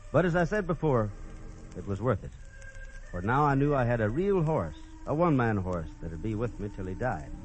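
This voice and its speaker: A man's voice: medium pitch, big pitch swings, normal speed, lightly acted, rough recording. A man narrating and playing the cowboy hero of an old radio western, in an easygoing, plain-spoken way. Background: music.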